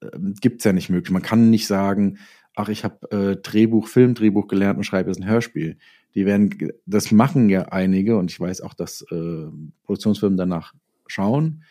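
Low and mellow, this man's voice reflects haltingly, correcting himself as he tells stories. He's an audio drama writer and author appearing as a guest in a conversational interview.

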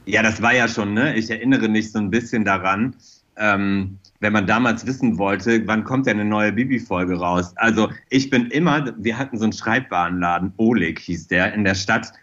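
A man's voice: on the low side, moderate pace, fairly bright tone, muffled recording. A middle-aged man chatting casually as an interview guest, telling personal anecdotes in an enthusiastic, rambling, effusive way. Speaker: interview guest, fashion designer.

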